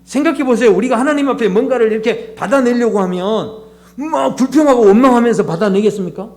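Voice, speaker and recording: A male pastor preaching a sermon in a church, animated, dropping to a low hushed voice to act out prayers. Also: fast. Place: church sanctuary.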